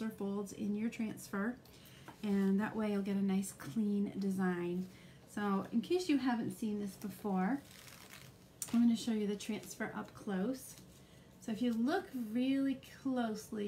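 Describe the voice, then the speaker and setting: A woman's voice: mid-range voice, dark tone, slight background noise. Chatty middle-aged woman teaching a craft. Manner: chatty, explains step by step with frequent ums. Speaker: craft demonstrator. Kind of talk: live craft tutorial.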